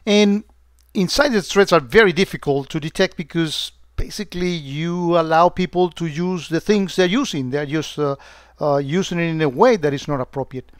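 A man narrates a screen-recorded software demonstration in a fairly high voice, stopping often to fill gaps with "uh." The sound is close and dry, with no room around it. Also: moderate pace, dry recording. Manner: hesitant, many fillers and restarts. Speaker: security software presenter.

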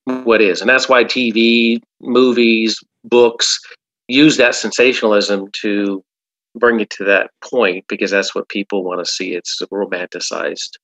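A man's voice: on the low side, fairly even intonation, measured pace, a bit bright, muffled recording. A man, a hypnotherapist guest in an interview, talking emphatically and often repeating "absolutely". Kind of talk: casual interview talk.

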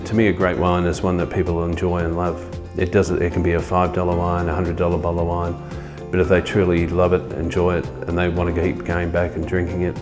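A middle-aged man talking in a filmed interview as a winemaker, halting with many fillers, recorded in a tasting room. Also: sits low, monotone. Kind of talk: documentary interview. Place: indoor winery tasting room. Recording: music bed underneath.

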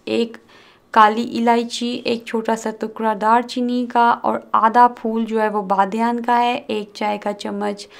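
Woman w flavored walking thru a recipe, calm and steady, kinda high voice. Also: measured pace, gravelly. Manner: calm step-by-step instruction, mixing in English words. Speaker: cooking channel host. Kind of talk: recipe voice-over narration.

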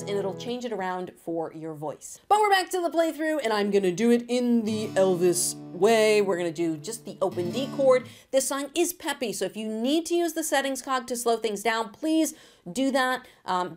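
A cheerful woman with an alto voice, pitched a little high for a woman, gives a guitar lesson from her home studio. She talks straight to the camera in an encouraging, upbeat way. Acoustic guitar rings out clearly beneath her speech. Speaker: guitar teacher. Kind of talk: guitar lesson, talking and singing along. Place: home studio room, indoors. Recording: acoustic guitar playing under the voice.

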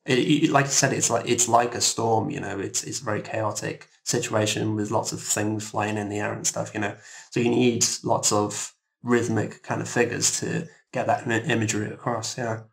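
A man chatting casually as an interview guest, halting and modest as he thinks aloud. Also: on the low side, flat delivery, vocal fry. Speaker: composer guest.

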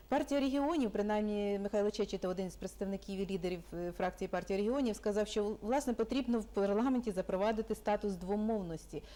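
A woman TV host asks a politician formal questions in a studio interview. Her voice is mellow, and she delivers her questions in an even, measured way. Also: medium pitch.

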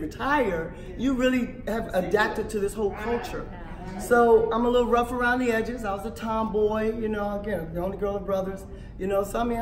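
A raspy-voiced woman, animated and emphatic, telling her story on a panel and laughing often. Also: medium pitch, reverberant, recorded from a distance. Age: 50s. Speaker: panel speaker, veteran author. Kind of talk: conversational storytelling. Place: small indoor room at a conference.

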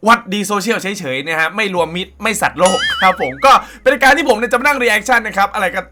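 Young man, reaction host, high pitch, lively swings, loud crude slang, music behind. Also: rapid-fire, noisy background. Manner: loud, crude slang, frequent exclamations and laughs. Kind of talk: casual comedic reaction commentary.

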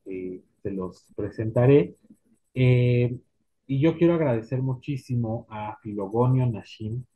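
A man in his thirties hosting a formal interview for a cultural institute over a video call, hesitant with many "eh" fillers. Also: lowish voice. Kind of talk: formal live interview host. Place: small home room. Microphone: earphone mic on video call. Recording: tinny phone-like video call line.

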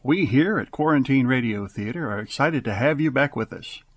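A man hosting as director, giving a theatrical scripted radio introduction with dramatic, deliberate pauses. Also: medium pitch, animated, no echo. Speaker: director and host.

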